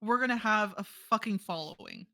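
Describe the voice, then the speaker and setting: Bright-voiced woman stammering through a game. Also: mid-range voice, wildly swooping pitch, moderate pace, gravelly. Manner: stammering restarts, playful. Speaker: player. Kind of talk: casual chat while role-playing.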